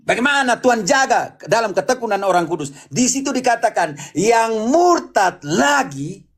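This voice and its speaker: A man's voice: very high-pitched, sing-song, normal speed, a bit bright. A man preaching as a Catholic Bible teacher, emphatic, repeating phrases and prompting with questions. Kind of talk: interactive Bible teaching, apologetics.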